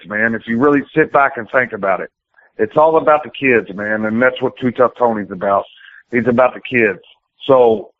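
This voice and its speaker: A professional wrestler gives a relaxed, rambling interview, speaking colloquially and sometimes profanely. His medium-pitched voice comes through a dry recording with the tinny sound of phone-style radio audio.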